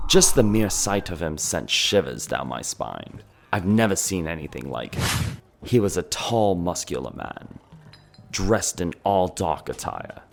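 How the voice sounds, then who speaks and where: Man playing a gravelly, low-voiced tavern storyteller. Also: full character voice. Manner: conspiratorial, dramatic, addressing the listener directly. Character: male tavern owner, gossipy storyteller of a dark fantasy town. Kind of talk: fantasy ASMR roleplay storytelling.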